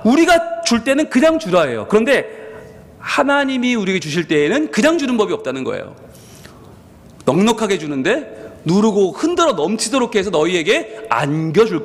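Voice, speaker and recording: Animated preaching man in a church hall. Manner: lively preaching with sudden swings in pitch and volume; acts out the congregation's thoughts in quoted asides. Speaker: senior pastor. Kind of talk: sermon. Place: church sanctuary.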